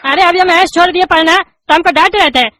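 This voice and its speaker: Brief: woman doing a bright-voiced, quarrelsome bald male student, flavour, in a comedy skit. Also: very high-pitched, brisk, some chatter behind, slight background noise. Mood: argumentative. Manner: argumentative, stumbling through reading. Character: cheeky bald male student who argues back.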